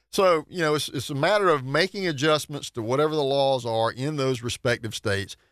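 The man's intonation is lively and his pace fairly quick. Behind him all is quiet. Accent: Southern US. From South Carolina, near Columbia. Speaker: state party chairman. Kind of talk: political interview.

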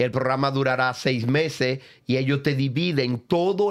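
Recorded very cleanly against a silent background, a man speaks in a normal speaking voice at medium pitch, at a fairly slow pace and with ordinary pitch variation. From Dominican Republic, Cotuí. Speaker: doctor. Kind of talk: interview.

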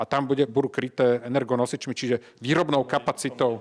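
In a Slovak accent, the speech races along at a very fast pace, with a dry, close sound, no echo, and a very clean recording with a silent background. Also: man. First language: Slovak (speaking Czech). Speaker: civic association representative. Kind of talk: panel discussion.

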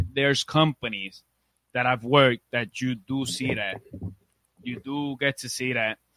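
A man with a Puerto Rican accent speaks at a fairly slow pace with long, frequent pauses, his medium pitch held to fairly even intonation. His tone is bright and sharp, and the sound is dry and close with no echo. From Puerto Rico, then Reading, Pennsylvania. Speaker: professional wrestler. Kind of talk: interview.

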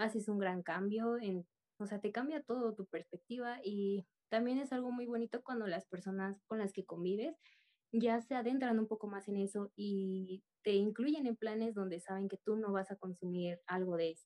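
A woman with a dark, mellow tone speaks at medium pitch and a moderate pace. Her pitch varies in an ordinary way, and the sound is dry and close with no echo. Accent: Mexican. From Mexico. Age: 20s. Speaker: nutrition student. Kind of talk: podcast interview testimony.

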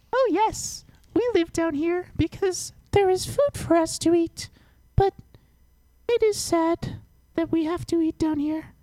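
A put-on character voice at an extremely high pitch. It moves at a fairly slow pace with long, frequent pauses.

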